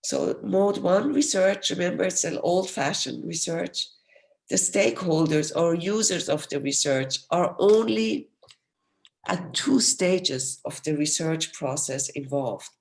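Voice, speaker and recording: A woman professor giving an academic research lecture over a video call in an explanatory, steady way, losing her voice and coughing now and then. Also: fairly low pitch, slow pace, creaky. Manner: explanatory, steady, apologetic when interrupted.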